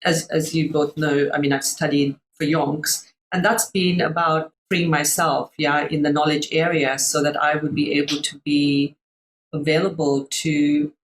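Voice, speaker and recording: A woman's voice: sits low, level tone, measured pace, a little hiss or hum, rough recording. A middle-aged woman from Sri Lanka, a coach talking thoughtfully about personal experience on a video call. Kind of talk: reflective conversation.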